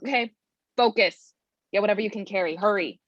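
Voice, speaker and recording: A woman playing a serious, no-nonsense leader of a secret raid, brisk and commanding, at a screenplay table read. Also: mid-range voice, no room sound, muffled recording, lightly acted. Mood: urgent, commanding.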